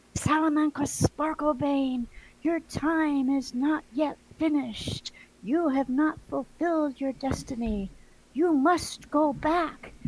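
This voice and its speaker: The speaker uses a put-on character voice with fairly even intonation. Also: woman, high pitch for a woman, fairly slow pace. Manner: commanding, solemn.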